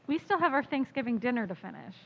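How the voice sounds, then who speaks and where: A woman playing a sensible, gently wry sidekick to a sleuth in an old-time radio drama. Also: on the high side, very animated, fast, gravelly, lo-fi sound, heavily acted. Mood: wry, reasoning.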